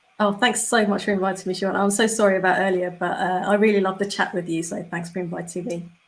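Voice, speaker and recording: A woman's very fast, somewhat breathy delivery in a monotone, flat intonation. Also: medium pitch for a woman, hardly any pauses. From Britain. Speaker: developer community manager. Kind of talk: casual interview chat.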